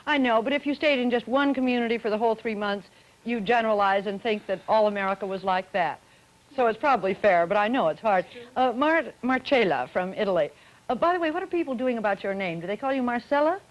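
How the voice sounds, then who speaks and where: A woman moderating a student forum on an old broadcast, asking poised, brisk questions. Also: on the high side, expressive. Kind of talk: scripted archival broadcast moderation. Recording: dull old archival broadcast audio.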